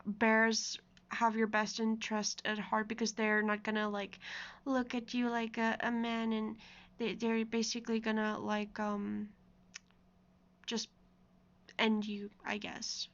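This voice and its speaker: A woman's voice: fairly high pitch, monotone, slow, fairly bright tone. A woman giving informal, rambling, explanatory commentary as a video creator, moving between chatting and reading comments aloud. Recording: dull lo-fi microphone sound.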